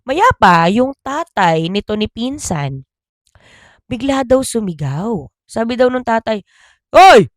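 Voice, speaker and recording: A woman vlogger telling a gossip story in a casual, animated way, speaking directly to her listeners. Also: fairly high pitch, unhurried, no room sound, studio quality.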